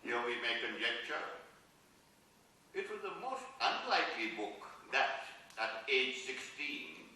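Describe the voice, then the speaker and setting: A man playing an exacting English mathematics professor, delivering a deliberate, oratorical lecture in a play reading. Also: mid-range voice, big pitch swings, pushed and bright, a little hiss or hum, exaggerated voice. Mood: measured, puzzled. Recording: very echoey hall, distant mic.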